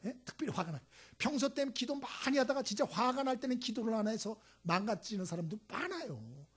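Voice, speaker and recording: A male pastor preaches a sermon in a high, breathy voice. He is emphatic, swinging between loud exclamations and quiet hushed asides. He acts out the voices in his stories as he tells them. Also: big pitch swings, a little fast. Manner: tells anecdotes acting out voices.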